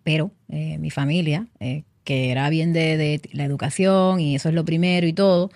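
A woman in her thirties from Puerto Rico speaks with a Puerto Rican Spanish accent, answering interview questions as a defense lawyer. She is chatty and mixes English words into her Spanish, in a slightly low voice. The recording is dry and close. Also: fairly even intonation, normal speed, a little mellow, no room sound. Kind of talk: interview guest, casual conversation.

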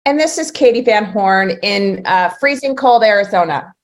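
A woman's voice: mid-range voice, animated, normal speed. Chatty woman co-hosting a podcast. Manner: chatty, many fillers and laughs. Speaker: podcast co-host. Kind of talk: casual podcast chat.

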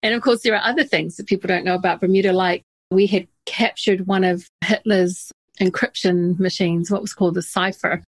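A woman's voice: lowish voice, fairly even intonation, a little fast, few pauses, no echo. A middle-aged woman from New Zealand hosting an interview, chatty and enthusiastic. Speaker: interview host. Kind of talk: conversational interview.

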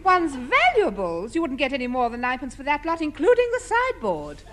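A woman's voice: high-pitched, huge pitch swings, brisk, a bit bright, slight background noise, full character voice. An actress playing a sardonic, dry-witted woman of the household in a 1950s radio sitcom. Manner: dry and mocking.

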